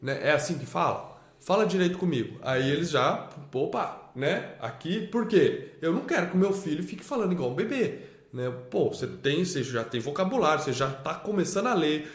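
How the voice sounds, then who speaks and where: A Brazilian man with a fairly high voice talks about raising children in a casual, emphatic chat. He keeps repeating points and tacking on little tag questions. The sound carries a clear echo from the room around him. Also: big pitch swings, brisk. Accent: Brazilian Portuguese. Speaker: homeschooling father. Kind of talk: casual podcast conversation.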